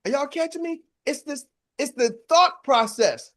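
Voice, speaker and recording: High-voiced man in his sixties coaching. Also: unhurried. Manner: energetic call-and-response, repeating slogans. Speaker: sales coach. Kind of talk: motivational talk to a live audience.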